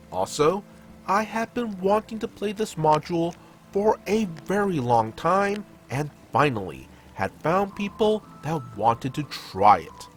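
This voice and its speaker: A man hosting a story-reading show, narrating scripted gaming tales in a theatrical, emphatic storytelling manner. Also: fairly high pitch. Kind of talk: dramatic scripted narration of online tabletop gaming stories.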